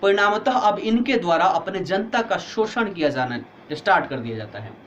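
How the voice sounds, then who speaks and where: A man's voice: high voice, animated, moderate pace, muffled recording, a little hiss or hum. A male teacher giving an online exam-prep history lecture, explaining step by step and asking students questions, tired with a headache.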